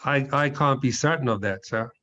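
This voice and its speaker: A man answering questions as a witness at an inquiry, quiet and cautious, giving brief answers. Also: mid-range voice, moderate pace, muffled recording. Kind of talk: answering questions under oath.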